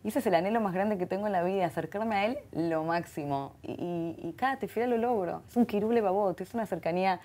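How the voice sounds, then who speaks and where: A middle-aged woman with an Argentine accent speaks as an interview guest. She tells her stories in an expressive, heartfelt way, often repeating words. Her pitch sits in an ordinary middle range. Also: quick pace, few pauses. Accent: Argentine Spanish. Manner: warm and expressive, many repeated words and Hebrew terms.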